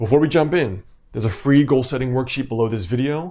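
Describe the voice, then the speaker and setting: Over a quiet background, a man talks in a somewhat breathy voice. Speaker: self-help youtuber. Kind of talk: casual vlog chat. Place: home room.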